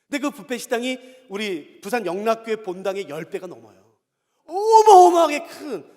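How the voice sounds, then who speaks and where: High, lively man preaching in a reverberant hall. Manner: storytelling, acts out quoted voices, rising to forceful exhortation. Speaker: pastor. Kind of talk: sermon.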